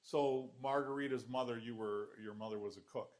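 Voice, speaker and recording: A man hosts a cooking show in a kitchen. He talks in a casual, conversational style with teasing banter, at an ordinary middle pitch. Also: steady tone, fairly quick. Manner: teasing banter with his guest.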